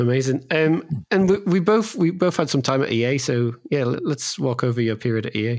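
With a plain, everyday voice, a man talks at a moderate pace in a medium pitch, his intonation lively. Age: 40s. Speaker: podcast host. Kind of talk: interview.

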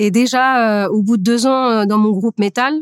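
A woman with a normal speaking voice talks at a fairly slow pace and ordinary pitch variation on a very clean recording with a silent background. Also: dry, close sound with no echo. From Tunisia. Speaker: singer. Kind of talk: interview.

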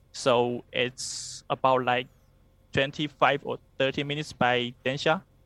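In a Chinese accent, a man speaks at a medium pitch and a very slow pace in a flat monotone, his tone bright and sharp, on a very clean, silent-background recording that is dry and close with no echo. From China, Guangxi. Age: 20s. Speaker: recent graduate. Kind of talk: casual chat.

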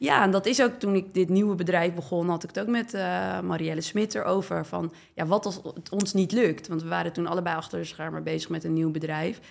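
Over a very clean recording with a silent background, a woman speaks with vocal fry in a fairly low voice with ordinary pitch variation. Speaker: entrepreneur. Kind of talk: interview. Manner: hesitant, many fillers.

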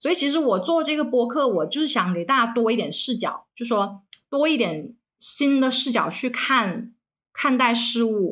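Her pitch high and her intonation lively, a woman talks at a moderate pace. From southern China, Hakka background. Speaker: gender studies PhD student and activist. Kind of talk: interview conversation.

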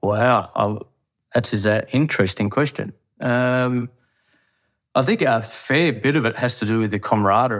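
In a very clean recording with a silent background, a man at medium pitch speaks at a moderate pace with ordinary pitch variation and long, frequent pauses. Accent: Australian. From Western Australia, Harvey. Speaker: amateur cricketer and coach. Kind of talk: interview.

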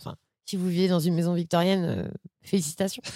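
A woman with a dark, mellow tone and medium pitch speaks at a fairly quick pace in a very clean recording with a silent background and a dry, close sound with no echo. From rural France. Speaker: podcast host. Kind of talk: casual chat. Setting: in a caravan.

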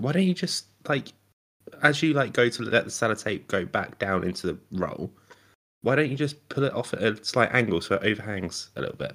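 A man speaks at a fairly quick pace in an ordinary speaking voice, medium in pitch, with lively intonation. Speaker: podcast co-host.

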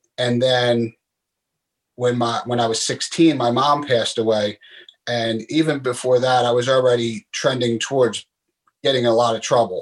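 Here is an ordinary speaking voice from a man with an American accent at a medium pitch. He talks at a moderate pace with fairly even intonation. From Philadelphia, Pennsylvania, US. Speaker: author and podcaster. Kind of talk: interview.

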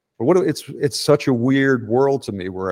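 A man with a plain, everyday voice, lively intonation and a moderate pace, in a dry, close sound with no echo. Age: 60s. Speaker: writer and commentator. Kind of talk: casual chat. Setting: video call.

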